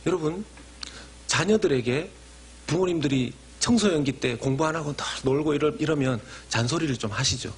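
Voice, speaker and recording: As senior pastor, a man delivers a Sunday sermon, acting out brief imagined dialogues in a quieter voice and then rising sharply in pitch and volume for emphasis. His voice is husky and his pace normal.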